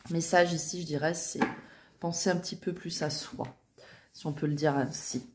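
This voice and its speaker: A woman giving a tarot reading for her viewers, speaking gently with many hesitations and fillers. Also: deep voice, fairly even intonation, normal speed. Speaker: tarot reader.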